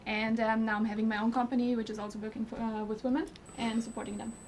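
A woman's voice: on the high side, little pitch movement, quick pace, a little mellow, slight background noise. A woman from Austria introducing herself on a podcast panel, enthusiastic and rambling. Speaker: panel guest. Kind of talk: casual self-introduction.

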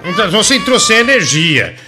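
Brief: bantering comedy radio host, male, teasing, slightly high voice, music under. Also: very animated. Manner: teasing, laughing, quick to cut callers off. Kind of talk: bantering call-in comedy show.

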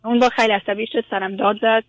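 A woman's voice: fairly high pitch, fairly even intonation, a crowd in the background, poor audio. A woman from Afghanistan, calling a radio advice show and speaking hesitantly with many fillers and English words mixed in. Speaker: caller.

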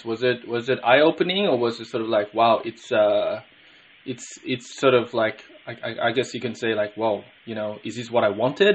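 A man's voice: mid-range voice, dull audio, a little hiss or hum. Rambling Australian male podcast host. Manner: rambling questions with many restarts. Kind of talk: casual interview.

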